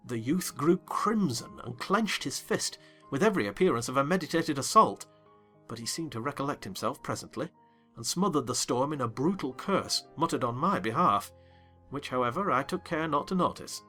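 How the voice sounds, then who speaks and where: A man narrating a dramatized audiobook reading in an expressive, wry manner. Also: medium pitch, moderate pace, soft background music.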